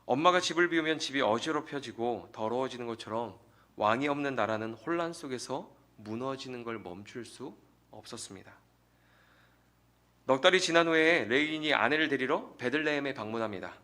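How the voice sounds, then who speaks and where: A man's voice: mid-range voice, expressive, brisk, bright, forceful tone. A male pastor preaching a sermon with earnest rhetorical questions to the congregation. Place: church sanctuary.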